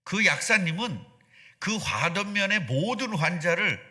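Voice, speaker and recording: A middle-aged man preaching a sermon as pastor, animated and asking the congregation questions. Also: high voice, unhurried. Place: church sanctuary.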